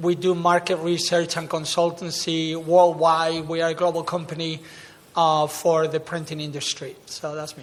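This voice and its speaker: A man's high-pitched, monotone, flat delivery with a Spanish accent over noticeable background noise. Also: moderate pace. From Spain, Madrid. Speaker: printing industry market analyst. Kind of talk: panel discussion. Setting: stage with live audience at trade expo.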